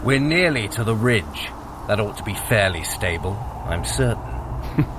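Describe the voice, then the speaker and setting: An actor voicing a sardonic, aggrieved trickster god with a dry, haughty, complaining manner in an audio running adventure. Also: male voice, on the low side, expressive, measured pace, background noise. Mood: dry, wary. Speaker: character in an audio running drama. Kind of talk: dramatised fitness audio adventure.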